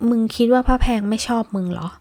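A woman's voice: fairly high pitch, fast talker, vocal fry, mellow. A woman voicing a young man who is the hero's close friend, talking curtly with casual swearing. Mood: blunt. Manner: curt, swearing, heated.

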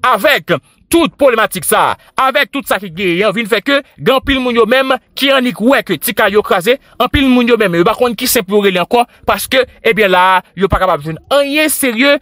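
Haitian guy doing news voiceover, high voice, dry close mic, really emphatic. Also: lively intonation, moderate pace, hardly any pauses, a bit bright, no room sound. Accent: Haitian Creole. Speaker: news reporter narrating. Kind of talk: news voice-over narration.

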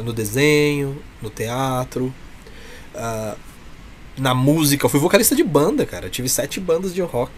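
A Brazilian man talks as a guest in an earnest interview, with a mid-range voice. He is emphatic and heartfelt in how he puts things. The webcam call carries some light noise. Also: medium pitch. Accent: Brazilian Portuguese. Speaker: interview guest, clown performer from a humour troupe. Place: small room with a curtain backdrop. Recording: noisy webcam call audio.

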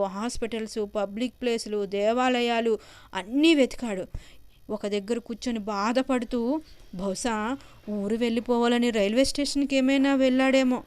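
A woman narrates an emotional family story in an earnest, emotive way. Her voice is smooth and resonant, a bit high, and recorded dry and close. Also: darkish tone, no echo.

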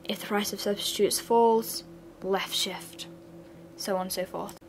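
Young woman, mid-pitched, slightly raspy, flat bored delivery, casual revision voice-over. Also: a little slow, slight background noise, low-quality recording. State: slightly raspy from sore throat. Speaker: revision channel host.

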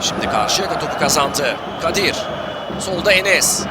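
A man's voice: on the high side, animated, normal speed. A man giving live football play-by-play as match commentator, in controlled, clipped phrases that name the players. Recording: loud crowd noise behind broadcast commentary. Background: stadium crowd.

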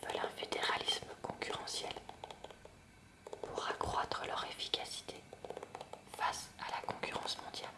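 A woman reading a school lesson aloud in a soft, unvoiced ASMR whisper, slow and careful. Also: far from the mic. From France. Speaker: ASMR creator. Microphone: close mic near hairbrush on a table.

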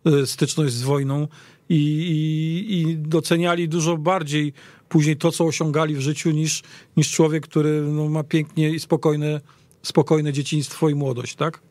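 A man's voice: fairly high pitch, little pitch movement, unhurried, a little mellow, no room sound. A man as a panel guest in a casual sports discussion, hesitant and repeating words as he goes. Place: radio studio.

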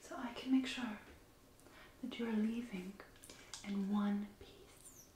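A woman in her thirties playing a soothing, slightly sinister witch in a soft-spoken, whispered ASMR role play. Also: medium pitch, steady tone, roomy sound, distant mic, a little hiss or hum. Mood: wry, hushed. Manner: slow, deliberate, soothing. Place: small indoor room.

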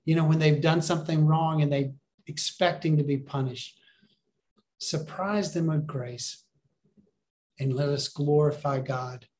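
A man's voice: a little high, darkish tone, slight background noise. A man preaching an earnest, encouraging sermon from home over a video call, often asking his listeners questions. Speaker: pastor. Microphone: video call webcam.

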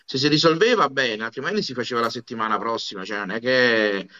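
A man's voice: mid-range voice, quick pace, bright, forceful tone. A man, chatting casually in an offhand, nonchalant way. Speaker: guest on livestream. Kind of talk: casual chat. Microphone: video call. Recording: dull lo-fi video-call audio.

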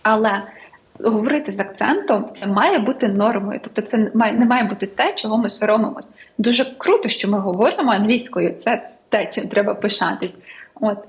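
A woman's voice: mid-range voice, brisk, rough recording. A young woman from Ukraine, an English tutor, chatting as a guest in a studio talk show with many fillers. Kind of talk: casual studio interview.

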